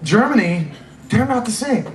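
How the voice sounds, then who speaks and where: A man with a high voice tells funny stories to a live convention audience, mimicking other people in animated dialogue. The room is echoey, with faint ambient noise behind him. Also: moderate pace. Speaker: convention panel host. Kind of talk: comedic storytelling to a live audience.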